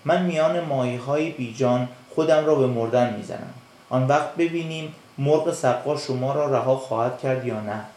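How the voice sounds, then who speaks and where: A man's voice: mid-range voice, darkish tone, close to an everyday voice. A man doing a bold little black fish. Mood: defiant. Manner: scornful, firm. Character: brave defiant little black fish, young, clever. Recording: echoey room.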